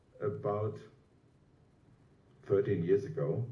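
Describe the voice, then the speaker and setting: A somewhat breathy quality marks this voice. Its tone is dark and mellow. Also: man. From Germany, North Rhine-Westphalia. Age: 60s. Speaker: retired board game designer. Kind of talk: online interview.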